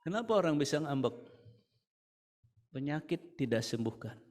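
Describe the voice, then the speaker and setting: A man preaching a church sermon with an Indonesian accent, piling up rhetorical questions and swinging from loud to hushed. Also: fairly high pitch, big pitch swings, normal speed. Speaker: pastor. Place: church hall. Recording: church service with hall reverb.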